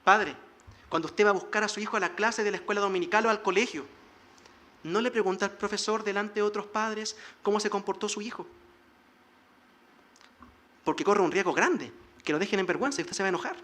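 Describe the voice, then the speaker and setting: A male pastor delivers a sermon in a high, ringing voice. He exhorts the congregation earnestly and slips into short acted lines of dialogue to make his point. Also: fairly quick, pauses often, sharp tone. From Chile.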